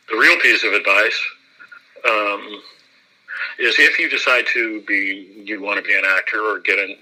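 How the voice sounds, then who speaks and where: A man, an actor, giving a relaxed and self-deprecating interview, laughing often as he talks. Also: fairly low pitch, rough recording.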